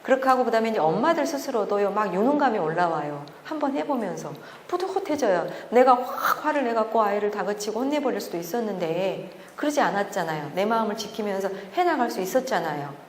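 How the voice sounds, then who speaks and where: A middle-aged woman giving a public lecture to parents, telling a story in a lively way and asking the audience questions. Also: medium pitch, fast, few pauses, slight background noise. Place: lecture hall. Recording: echoey hall, faint ambience.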